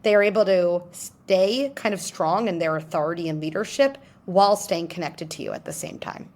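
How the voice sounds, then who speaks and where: A woman being interviewed, explaining ideas in an animated way and acting out little scenarios in different voices. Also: fairly low pitch, moderate pace. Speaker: guest psychologist. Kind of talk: interview answers.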